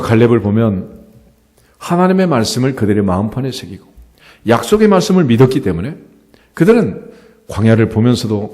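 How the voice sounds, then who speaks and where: In a church sanctuary, a middle-aged male pastor with a medium-pitched voice preaches a lively, conversational sermon, often asking the congregation rhetorical questions. The church hall adds a long reverb.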